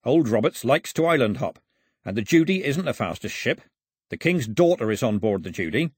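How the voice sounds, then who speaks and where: A man's voice: medium pitch, big pitch swings, normal speed, breathy edge, no room sound, studio quality. A man voicing a wary, plain-spoken sea captain with blunt, folksy, dryly deferential nautical talk in an audiobook. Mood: grave, practical.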